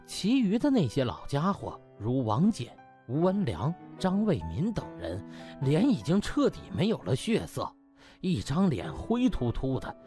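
A man's voice: on the high side, warm tone, slightly rough. A man narrating a comic novel in a theatrical, colloquial storytelling manner. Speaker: audiobook narrator.

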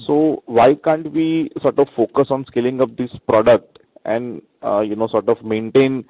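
A man's voice: mid-range voice, fairly even intonation, moderate pace. A man with an Indian accent asking a question as an analyst on an earnings call, polite and hesitant. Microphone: telephone conference call. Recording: narrow phone line with some room echo.

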